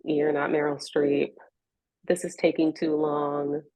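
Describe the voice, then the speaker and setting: A woman's voice: deep voice, sing-song, slow pace, creaky, warm tone, dry recording, rough recording. An American woman in a reflective interview conversation, speaking in an earnest, encouraging way. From Richmond, United States.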